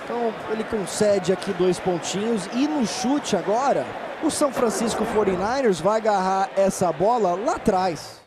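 A man's voice: high-pitched, moderate pace, hardly any pauses. A man giving live American football commentary. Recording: loud stadium crowd noise behind the voice. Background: roaring stadium crowd.

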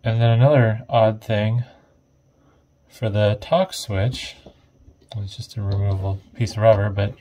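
A man giving casual, off-the-cuff narration of an electronics teardown, thinking aloud in a hesitant, low-key way. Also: level tone, a little slow, long pauses, dark tone. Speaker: host of an electronics teardown video.

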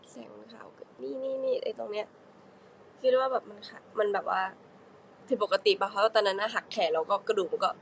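A woman's voice: mid-range voice, a little hiss or hum, rough recording. A young woman hosting a casual livestream, chatting playfully with fans and reading their comments. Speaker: idol livestream host.

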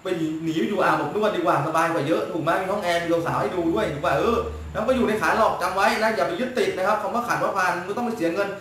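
A man's voice: high-pitched, rapid-fire, few pauses, a bit bright. Blunt, crude-talking man in an echoey room. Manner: blunt and crude, lecturing, repeatedly asks "right?". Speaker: spiritual teacher answering viewers on a live stream. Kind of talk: casual live-stream talk. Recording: very echoey room with faint noise.

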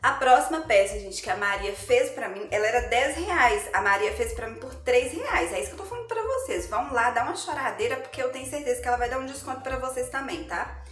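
A woman's voice: on the high side, animated, quick pace, fairly bright tone, roomy sound, soft background music. Chatty, effusive woman vlogger. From Brazil. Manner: chatty and effusive, constantly addressing viewers. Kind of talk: casual thrift haul vlog. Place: living room at home, indoors.

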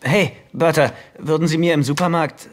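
A man's voice: on the high side, normal speed, close to an everyday voice. An actor in a German-dubbed sitcom playing a lovesick, naive rich man with a plaintive, boyish way of pleading. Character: lovesick, childlike wealthy man, whiny and naive. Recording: noisy TV soundtrack rip.

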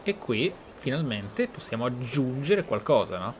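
Over the game's audio, a male player commentates in a mid-range voice that swings widely in pitch and moves a little slowly. He's casual and reflective in roleplay mode, explaining and repeating words to stress them, with a faint hiss or hum in the recording.

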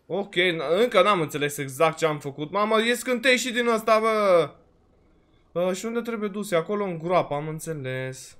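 Romanian man, high-pitched, let's-play host, chatty, quick to exclaim, voice a bit worn. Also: a bit bright. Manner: chatty, exclaims often, peppers talk with "frate" and "bă". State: voice slightly worn, coughing. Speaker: gaming video host. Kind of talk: casual let's-play commentary.

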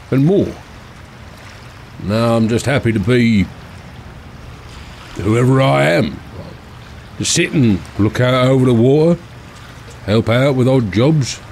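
A simple, kindly working man in an audio drama. He rambles in homespun phrases, his pitch swinging up and down as he muses. A faint watery ambience sits behind the voice. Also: darkish tone, slight background noise. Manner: colloquial, rambling, homespun speech. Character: folksy working-class handyman Todd, good-natured, musing, uneasy.

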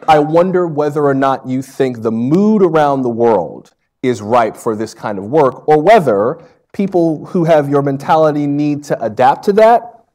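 A middle-aged man moderating an onstage conversation in a lecture hall, laying out long questions in a measured way. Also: on the high side, darkish tone. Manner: measured, lays out questions at length. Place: stage in a lecture hall with a seated audience.

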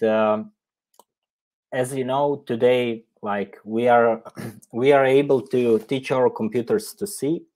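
A middle-aged man from Croatia presenting informally at an online tech session, halting and often pausing mid-phrase. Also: mid-range voice, darkish tone. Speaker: guest speaker, tech presenter. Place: indoor room, video call.

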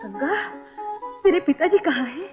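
A woman's voice: high-pitched, animated. An actress playing a tender mother weeping with joy over her found daughter, in 1960s film dialogue. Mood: tearful. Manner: slow, tearful and tender. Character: tearful mother reunited with her lost daughter. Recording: dull old film soundtrack with music.

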